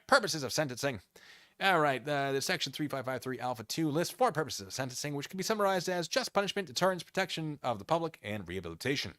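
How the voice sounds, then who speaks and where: Animated, bright-voiced man giving sarcastic commentary. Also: on the high side, no room sound, studio quality. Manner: mocking, sarcastic asides. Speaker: commentary streamer, channel host. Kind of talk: off-the-cuff commentary while reading a document aloud.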